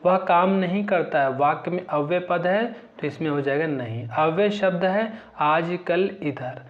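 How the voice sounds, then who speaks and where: A man teaching an exam-prep grammar lesson, reading out lists of terms and example sentences in a steady recital, often filling pauses with "जो है". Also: a little high, muffled recording.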